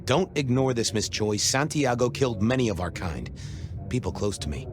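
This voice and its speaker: An actor playing a persistent, courteous vampire police detective in a noir video game, with colorful old-fashioned phrasing. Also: male voice, medium pitch, lively intonation, normal speed, over music, close to an everyday voice. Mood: earnest, urgent.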